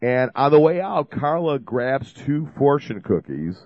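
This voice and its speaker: A man's voice: medium pitch, big pitch swings, measured pace, dull audio. A man hosting a call-in radio show, talking in a chatty, rambling, jokey way while he has a cold. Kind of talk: casual call-in radio talk. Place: radio studio.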